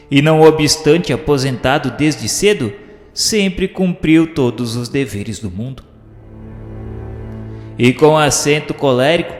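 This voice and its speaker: A man with a Brazilian accent giving a solemn, formal, measured dramatic narration, like a scripted radio novela. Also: medium pitch. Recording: echoey, long reverb, music behind. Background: music.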